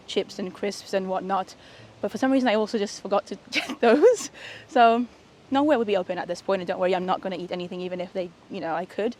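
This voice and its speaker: A young woman vlogging late at night, sounding tired and a little worn. She talks in a chatty, easygoing way to a handheld camera, with soft laughs here and there. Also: mid-range voice, slight background noise. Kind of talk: casual vlog narration. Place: outdoors at night by a hotel and fountains, then a hotel room.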